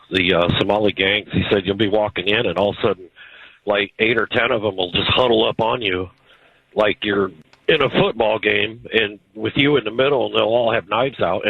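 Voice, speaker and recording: A man calling in to a radio show, telling a story in a casual, halting way with many fillers. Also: lowish voice, husky, no echo. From Chicago. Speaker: caller. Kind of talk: phone-in call. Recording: dull lo-fi phone line.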